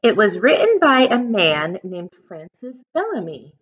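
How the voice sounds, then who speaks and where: A slightly muffled, lo-fi recording of an American woman reading to young children. Her pitch moves in a lively, expressive way. She explains things simply like an elementary teacher and puts questions to her listeners. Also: measured pace, a little hiss or hum. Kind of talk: children's picture-book read-aloud with explanations.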